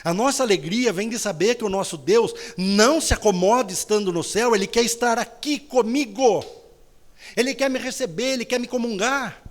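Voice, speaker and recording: A woman's voice: on the high side, normal speed. A woman gives a humorous Catholic talk, telling stories and teasing her listeners bluntly. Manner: playful storytelling, acts out voices, blunt teasing. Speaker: Catholic lay preacher.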